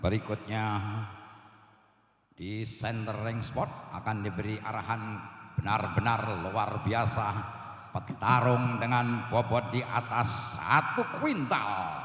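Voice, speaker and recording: A man with an Indonesian accent doing live fight announcing and commentary in measured phrases with pauses. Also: lowish voice, fairly bright tone. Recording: very echoey hall PA, music behind.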